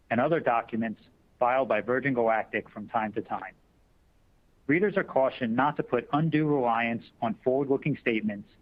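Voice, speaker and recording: A man in investor relations reading scripted corporate remarks in a formal, businesslike way. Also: medium pitch. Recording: dull lo-fi conference call audio.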